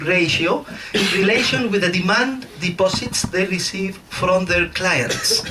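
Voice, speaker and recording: In a raised, projected voice, a man with a Spanish accent speaks at a fairly slow pace and a high pitch, with audible room echo and noticeable background noise. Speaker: economics professor. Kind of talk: lecture.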